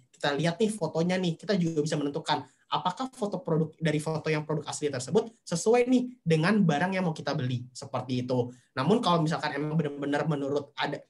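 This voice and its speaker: A man speaking for a marketplace company in a webinar, explaining step by step and leaning on fillers. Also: fairly high pitch. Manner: explanatory, leans on fillers and "nah". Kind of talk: webinar presentation.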